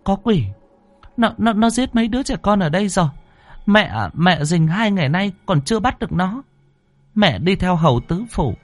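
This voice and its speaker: A grieving mother's voice in a storybook horror tale, pitched far up and cracking with pleading as she stammers out her questions, as a man puts her on. Her tone swings widely, and the voice sits dry and close. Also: lively intonation, moderate pace, no echo, faint music behind. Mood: pleading, anxious. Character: grieving middle-aged mother, a spirit medium.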